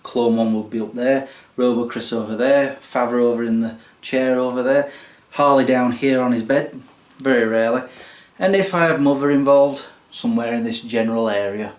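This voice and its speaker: The speaker, a young man who runs a YouTube channel, uses a mid-range voice at a moderate pace. Casual and self-deprecating, he breaks down his video filming and editing routine step by step, with the recording carrying a roomy echo.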